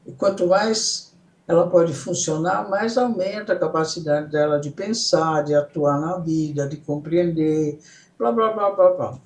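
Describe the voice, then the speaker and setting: A woman's voice: low voice, darkish tone, roomy sound. An older woman from Italy, a psychoanalyst guest, explaining ideas step by step and often checking in with her listener. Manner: unhurried, explains in steps, checks in with "certo?". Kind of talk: reflective explanatory interview talk.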